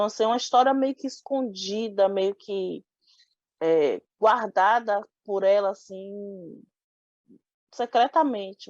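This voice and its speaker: A young woman from Salvador, Bahia, Brazil, speaks thoughtfully in a medium-pitched, darkish voice during an oral history interview, frequently restarting and using the filler "né." The recording is dry and muffled.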